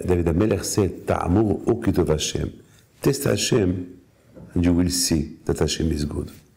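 Somewhat breathy and dark, mellow in tone, a man's very deep, low voice moves at a moderate pace with ordinary pitch variation. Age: 60s. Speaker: rabbi. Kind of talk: interview about faith. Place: office.

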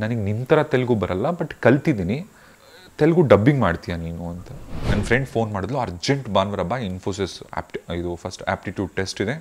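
Lively intonation from a man at a fairly low pitch, with big swings in loudness and light background noise. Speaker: radio jockey. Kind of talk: interview answer. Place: home room.

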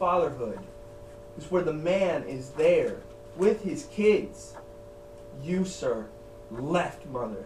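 A man speaking at a very slow pace, with long, frequent pauses, light background noise and audible room echo. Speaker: actor performing a multi-character monologue. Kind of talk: scripted dramatic monologue, heated family argument with switching character voices. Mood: confrontational, scolding. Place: home room. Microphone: camera far.

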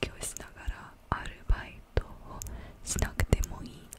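A soft-spoken woman in a dry sound with no echo, amid loud background noise. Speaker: ASMR-style reader. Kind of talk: soft reading of Japanese text. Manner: soft close-mic ASMR reading voice. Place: home room. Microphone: studio mic.

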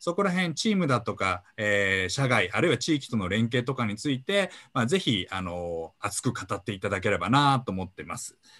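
A man's voice carries vocal fry and very wide pitch swings. The background is quiet. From moved around Japan, born in Osaka. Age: 40s. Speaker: panel moderator, tourism company executive; panel moderator. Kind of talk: online panel discussion. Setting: online event, screen sharing. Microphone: video call.

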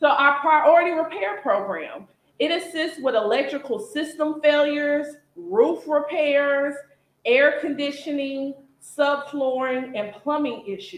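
In a room with audible echo, a woman speaks at a fairly slow pace, high in pitch with ordinary pitch variation. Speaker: city social services representative. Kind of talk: public presentation. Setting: community center workshop with live audience. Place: meeting room.

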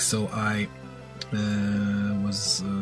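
A man's voice over background music. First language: not English. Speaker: 3D modeler. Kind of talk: unscripted tutorial commentary. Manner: hesitant, many fillers.

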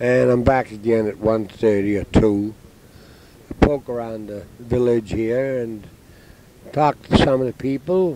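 With a Boston accent, a man speaks at a fairly slow pace with ordinary pitch variation and long, frequent pauses. The sound is dry with no echo, over light background noise. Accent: Boston-area New England. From Massachusetts, Malden (Boston area); Massachusetts. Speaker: retiree recording a family tape. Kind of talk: rambling monologue to a tape recorder. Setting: home recording in a trailer. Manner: halting. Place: home room. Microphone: old recording.

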